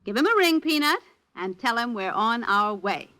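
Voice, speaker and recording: A woman's voice: fairly high pitch, very animated, normal speed, over loud music. An actress playing a scheming, glamorous female film star in a 1950s radio drama, sultry and condescending.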